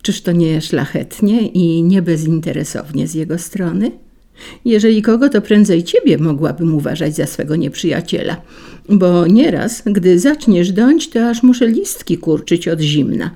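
A woman's voice: lowish voice, animated, moderate pace, vocal fry, dark tone. Woman playing a haughty lady flower. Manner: haughty, self-satisfied. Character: proud delicate foreign lady flower. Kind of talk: storybook reading.

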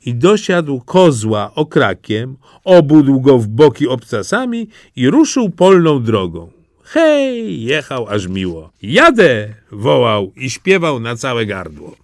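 A man narrating a fairy tale for an audiobook, very expressive and animated. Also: takes it slowly, dry recording, studio quality. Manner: highly expressive, animated storytelling.

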